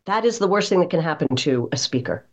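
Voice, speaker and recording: Speaking fast and expressively in a low voice, a woman guest in an interview takes the role of a voice coach, teaching as she explains and leaning on key phrases. The recording is slightly dull and muffled.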